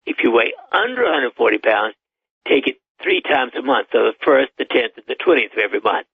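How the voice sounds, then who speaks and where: A man's voice: mid-range voice, brisk, vocal fry, breathy edge, no echo. A man in his eighties, a doctor guest on a radio call-in show, giving matter-of-fact health advice with the odd chuckle. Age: 80s. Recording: tinny phone line.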